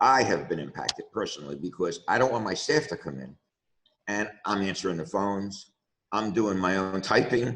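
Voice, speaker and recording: In a Philadelphia accent, a man speaks at a moderate pace with a fairly low pitch and ordinary pitch variation. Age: 60s. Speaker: criminal defense lawyer. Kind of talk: interview.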